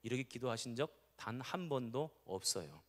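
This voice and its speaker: A middle-aged man preaching a revival sermon as a pastor, swinging from quiet storytelling to loud proclamation and acting out the prayers and commands he quotes. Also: mid-range voice, very animated, normal speed. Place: church sanctuary. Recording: long church hall reverb.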